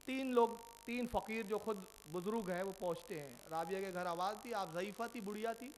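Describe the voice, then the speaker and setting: A male preacher with a notably high voice tells a sermon story, acting out each character's lines and putting questions to his listeners. A faint hiss sits under the recording.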